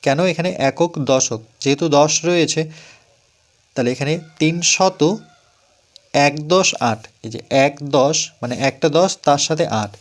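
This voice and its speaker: A man teaching a school math lesson, going through each step and repeating numbers slowly. He asks the students questions and then answers them himself. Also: on the high side.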